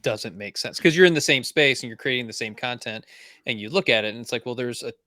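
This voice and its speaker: A man's voice: medium pitch, quick pace, pushed and bright, no room sound. Male podcast host, mid-range voice, conversational and chatty, dry close recording. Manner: conversational, chatty, asks questions. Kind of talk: casual podcast interview.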